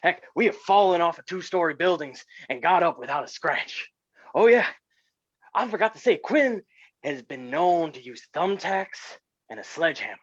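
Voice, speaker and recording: A man playing a swaggering hardcore wrestler in a staged promo reading, halting and deliberate, on dull lo-fi audio. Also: fairly high pitch, animated, no room sound. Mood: boastful menace. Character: swaggering hardcore wrestler bragging about weapons. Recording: dull, lo-fi, dry close audio.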